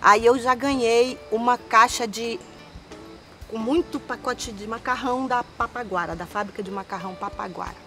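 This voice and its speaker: Older female singer, lively storyteller, lapel mic outdoors, light music bed. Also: on the high side, normal speed. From Manaus, Brazil. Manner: animated, lively storyteller with hand gestures. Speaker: singer guest. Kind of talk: storytelling interview answers. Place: outdoors in a forest park.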